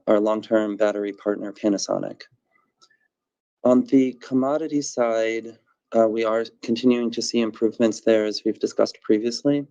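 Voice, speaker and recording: A man speaking as a company executive, giving measured, explanatory answers on an earnings call over muffled conference audio. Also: fairly low pitch, gravelly, mellow.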